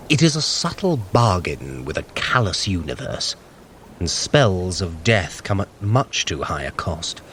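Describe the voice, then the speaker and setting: An actor playing a clever, sly, haughty trickster god in an audio drama, with an arch, theatrical, condescending manner. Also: male voice, medium pitch, fairly bright tone, a little hiss or hum, heavily acted. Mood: smug, lofty. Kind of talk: scripted audio drama acting.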